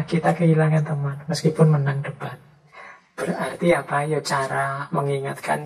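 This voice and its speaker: A middle-aged man giving a religious philosophy lecture, listing his points one by one in a measured, deliberate way. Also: fairly high pitch, vocal fry, darkish tone, recorded from a distance, low-quality recording.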